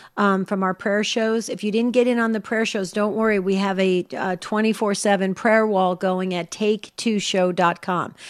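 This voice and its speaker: A woman with an American accent speaks at medium pitch. Her intonation is monotone and flat, with hardly any pauses. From New Jersey. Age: 50s. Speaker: radio host. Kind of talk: call-in radio show.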